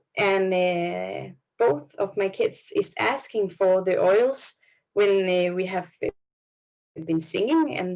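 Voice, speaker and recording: A woman with a Danish accent, medium in pitch, with ordinary pitch variation. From Denmark. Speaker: network marketing distributor. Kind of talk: testimony. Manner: halting, many fillers.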